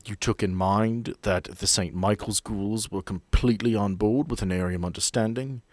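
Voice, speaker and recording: A man playing a stern, measured female agency boss who speaks formally and deliberately in a tabletop game. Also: lowish voice, steady tone, no room sound, lightly acted. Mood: stern, measured approval. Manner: deliberate, emphatic, formal phrasing.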